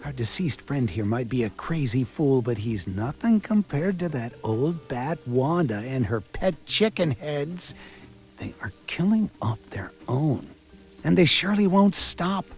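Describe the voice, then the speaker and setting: An actor voicing a sardonic, wisecracking village doctor and coroner in a video game, with a theatrical delivery. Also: male voice, mid-range voice, lively intonation, unhurried, soft background music, natural voice. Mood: scornful. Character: sarcastic village doctor and coroner, self-styled man of science. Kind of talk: video game character acting.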